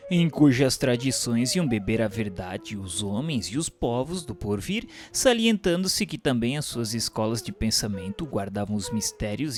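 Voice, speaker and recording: A man reads a scripted spiritual history narration in a solemn, formal, literary manner. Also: mid-range voice. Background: music behind the voice.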